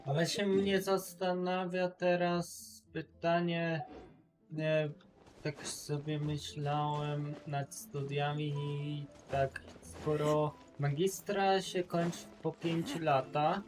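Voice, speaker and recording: Young male streamer, slow, hesitant, slightly high voice, casual musing, game music behind. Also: flat delivery. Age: young adult. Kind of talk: casual live-stream chat.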